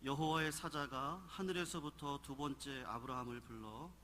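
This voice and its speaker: A man reading scripture aloud in church, announcing verses and leading the reading in a measured, formal cadence. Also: medium pitch, steady tone, pushed and bright, a little hiss or hum. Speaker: scripture reader. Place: church sanctuary.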